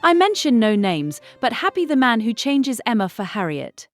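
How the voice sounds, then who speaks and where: A woman acts out a self-assured young gentlewoman from a period novel. Her pitch rides high and swings expressively as she makes emphatic, affectionate points in careful phrases, over faint music. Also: sing-song, moderate pace. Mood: fervent, admiring. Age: young adult. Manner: earnest, emphatic, articulate. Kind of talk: dramatised classic novel audiobook acting.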